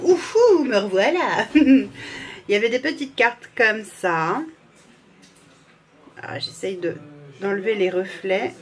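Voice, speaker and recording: Slow-talking, chatty woman vlogger. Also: medium pitch, expressive, husky. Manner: chatty, gushing, apologizes for mispronouncing names; fumbles and restarts while reading labels. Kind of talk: casual vlog chat.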